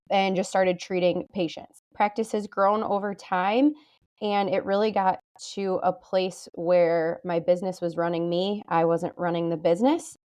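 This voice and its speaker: Candid woman in her thirties. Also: lowish voice. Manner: relaxed, candid, self-deprecating. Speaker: chiropractor guest. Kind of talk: podcast interview storytelling.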